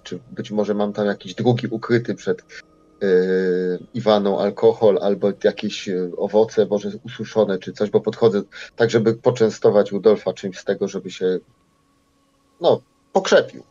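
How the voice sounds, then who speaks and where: A man's voice: on the low side, fairly even intonation, a little slow, warm tone. A man playing a tabletop game, hesitantly narrating what his character does, searching for words. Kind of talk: storytelling of character actions. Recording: dull, muffled voice-call audio.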